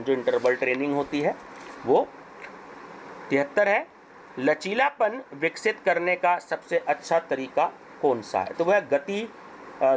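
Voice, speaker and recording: A hoarse man with an Indian accent, teaching as he goes through an exam paper question by question. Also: on the high side, a little hiss or hum, poor audio. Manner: slow, deliberate question-and-answer reading.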